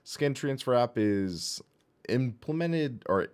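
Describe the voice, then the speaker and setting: Hoarse man chatting through a stream. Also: medium pitch, expressive, slow pace, darkish tone. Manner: chatty, thinks aloud while clicking menus. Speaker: sim racing streamer. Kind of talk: casual live-stream commentary.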